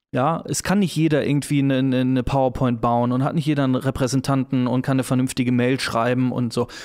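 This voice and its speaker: A man talks at a very fast pace with hardly any pauses, medium pitch and fairly even intonation. His loudness stays very even on a very clean recording with a silent background. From Germany, Cologne. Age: 30s. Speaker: hip-hop business consultant, company founder. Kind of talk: podcast interview. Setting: studio.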